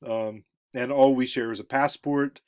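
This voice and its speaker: A man's voice: mid-range voice, fairly even intonation, measured pace, darkish tone, clean tone, dry recording. An American man giving an informal lecture, talking in a conversational way and thinking aloud with asides. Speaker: college lecturer.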